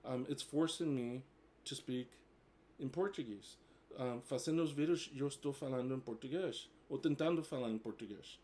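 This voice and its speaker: A man's voice: mid-range voice, moderate pace, warm tone. A man in his forties, a native English speaker, talking casually and hesitantly to camera, with many fillers, and switching between Portuguese and English. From United States. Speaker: vlogger. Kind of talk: casual bilingual talk to camera.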